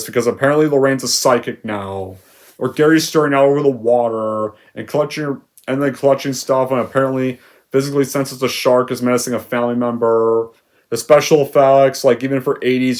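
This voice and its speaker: A young man ranting through a movie review, sarcastic and exasperated, with sudden loud outbursts. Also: medium pitch.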